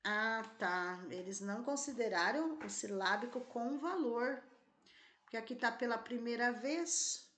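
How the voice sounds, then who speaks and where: In an exam-prep lesson, a woman teacher with a Brazilian Portuguese accent reads test questions aloud and solves them, thinking aloud and rechecking her answers. She often checks in with the class, tagging lines with "né?" and "tá?". Her voice is fairly high and fairly bright, and she speaks unhurriedly.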